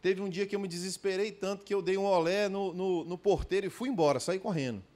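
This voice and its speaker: A man's voice: high voice, fast, a little mellow. A man preaching a sermon at a church conference, telling stories animatedly and calling out to the congregation with frequent tag questions. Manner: addresses the congregation directly.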